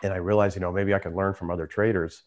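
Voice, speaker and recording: A man's voice: deep voice, level tone, quick pace. A man who hosts a trading channel, telling his story in a casual, conversational way. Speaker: trader and YouTube channel host.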